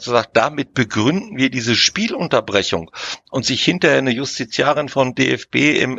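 A man's voice: mid-range voice, vocal fry, fairly bright tone, slightly rough, no echo, dull audio. A man speaking as a lawyer in a conversational discussion, explaining and arguing his points with emphasis. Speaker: lawyer, podcast guest.

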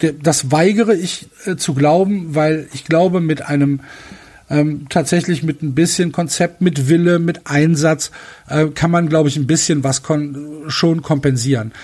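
A man's voice: fairly high pitch, steady tone, a little slow, a little mellow. A man hosting a casual podcast chat, venting at length with frequent hesitations and restarts. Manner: frustrated rant full of fillers and restarts. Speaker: podcast host.

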